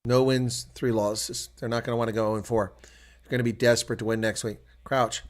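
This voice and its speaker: This is solo live rugby commentary from a man from the United States, who mixes play-by-play and reactions with chat aimed at viewers. He speaks briskly in a mid-range voice with little pitch movement.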